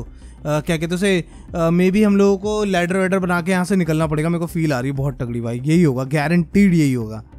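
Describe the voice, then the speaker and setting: A young man commenting on his own gameplay as a gaming creator, muttering as he works and then bursting into excited shouts. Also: high voice. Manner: talks to himself and viewers, swings from muttering to excited shouts. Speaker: gaming YouTuber.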